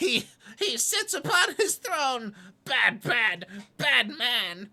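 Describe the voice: The speaker uses a put-on character voice, pitched high with very wide pitch swings. Delivery is very slow.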